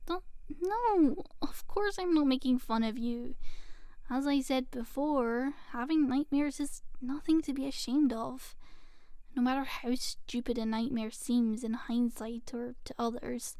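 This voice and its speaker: A woman playing a gentle, teasing sleep paralysis demon in an ASMR roleplay, soothing and intimate, talking softly and unhurriedly, now and then slipping into a whisper. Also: high voice, measured pace, no room sound. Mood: reassuring. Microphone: close microphone.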